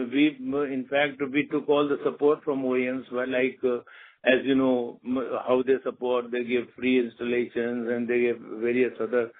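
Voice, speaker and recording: Over a tinny, narrow phone line, a man fields investor questions. He talks at a middling pitch, stopping and restarting often with fillers as he works out figures. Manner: hesitant, many fillers and restarts. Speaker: company executive answering analysts. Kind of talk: earnings call answers.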